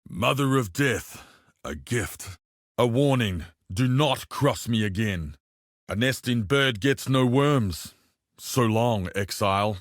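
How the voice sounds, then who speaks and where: Casting: proud tribal warrior for a video game, solemn and fierce, mid-pitched, slow and measured, close dry sound. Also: male voice, fairly bright tone, dry recording, exaggerated voice. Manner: solemn, declamatory, measured delivery. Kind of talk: video game character voice lines.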